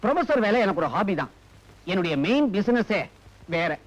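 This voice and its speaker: A man's voice: sits high, very animated, normal speed, low-quality recording. An actor playing a smug, scheming male professor who mocks and leers at those around him, in film dialogue. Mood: sly. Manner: sly, mocking and leering. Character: smug predatory male professor, middle-aged, scheming villain. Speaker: lecherous college professor. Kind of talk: 1980s Tamil film dialogue. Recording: film soundtrack with music behind.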